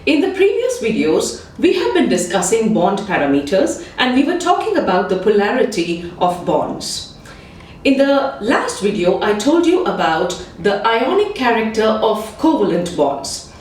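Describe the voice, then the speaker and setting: A woman's voice: medium pitch, wildly swooping pitch, measured pace, a little mellow. A woman chemistry teacher giving a patient, step-by-step explanatory lesson. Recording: echoey room, distant mic.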